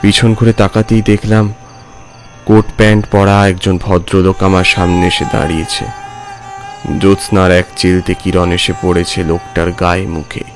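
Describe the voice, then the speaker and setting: A man's voice: sits low, level tone, music in the background, natural voice. An actor playing a brooding middle-aged man who narrates a dramatic ghost story haunted by a lost first love. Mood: brooding, wistful. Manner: slow, brooding, theatrical.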